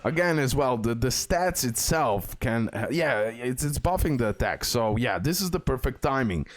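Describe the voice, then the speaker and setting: A man's voice: medium pitch, expressive, normal speed, soft background music. A man giving casual video game tutorial commentary as a guide host, with non-native English phrasing and a habit of repeating himself.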